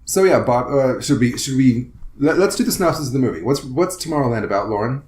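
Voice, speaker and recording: A man's voice: medium pitch, animated, quick pace, a little mellow. Guy hosting a movie podcast, stops and restarts a lot, echoey room. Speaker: podcast host. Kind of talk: casual chat.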